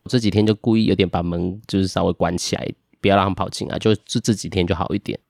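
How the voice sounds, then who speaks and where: Podcast co-host, Taiwanese accent, very low voice, quick flustered chatter. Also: creaky, no room sound, clean studio sound. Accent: Taiwanese Mandarin. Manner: animated, flustered retelling. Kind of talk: casual chat.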